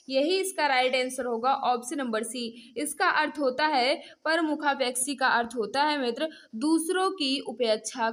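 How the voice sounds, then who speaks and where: A woman with a high-pitched voice leads an exam-prep quiz. She speaks straight to her learners as friends, reading questions and prompting them again and again for the answer. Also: a bit bright. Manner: repetitive prompting, addresses learners directly as friends. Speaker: teacher hosting an online exam-prep class. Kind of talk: interactive mock-test lesson, quizzing viewers.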